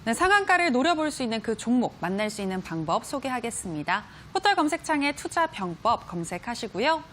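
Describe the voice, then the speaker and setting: A woman's voice: a little high, big pitch swings, fairly quick, a bit bright, a little hiss or hum. A woman hosting a finance broadcast, introducing segments and closing the show in a polished, scripted announcer style. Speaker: program host.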